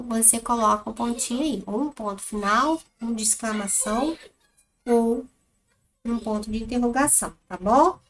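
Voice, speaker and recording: Animated Brazilian teacher woman. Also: fairly high pitch, a little hiss or hum. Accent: Brazilian Portuguese. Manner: animated, exaggerates exclamations and questions for children. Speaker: primary school teacher. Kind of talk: children's lesson, reading aloud with expressive intonation.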